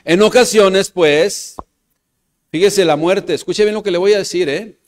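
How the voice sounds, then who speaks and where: A man with a Mexican Spanish accent preaching a sermon to a congregation, repeating phrases and calling out to the brothers and the church, moving between loud emphatic bursts and soft low asides. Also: a little slow. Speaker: pastor.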